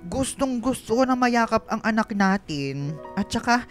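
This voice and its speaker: Campy, animated gay Filipino man, played by an actor. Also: medium pitch, normal speed, soft background music, close to an everyday voice. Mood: doting, playful. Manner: campy, melodramatic, Taglish with girly slang. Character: excitable effeminate gay man, best friend and expectant father. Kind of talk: radio drama acting.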